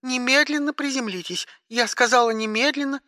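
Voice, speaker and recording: A man's voice: very high voice, brisk, pushed and bright, no room sound, clean studio sound, voice pushed up. A man voicing a prim, formal female spaceport dispatcher who speaks with icy courtesy. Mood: icily polite.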